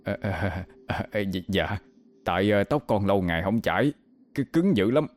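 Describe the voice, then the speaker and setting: A man's voice: fairly low pitch, animated, normal speed, a little mellow, natural voice. A man voicing a terrified young country lad who stammers and panics. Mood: nervous.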